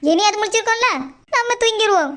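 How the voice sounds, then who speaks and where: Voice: very high-pitched, fast talker, fairly bright tone. An actor voicing an aggrieved, mischievous cartoon woman, complaining and whining. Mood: grumbling, scheming. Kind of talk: cartoon dub dialogue.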